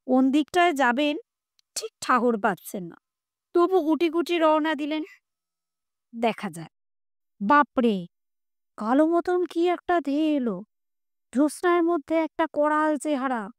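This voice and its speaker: A woman narrates a short story in an expressive, measured manner. Her voice sits high and unhurried, recorded close and dry with no room sound. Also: no echo. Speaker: story reader. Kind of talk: scripted narration.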